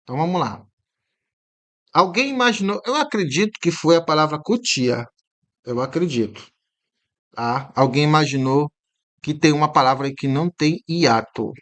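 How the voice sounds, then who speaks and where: A male exam-prep teacher talking through a commented test in a chatty way, often asking the viewer "right?" and slowly sounding out words to show how they are said. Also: a little high, expressive, a bit bright. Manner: frequent tag questions to the viewer.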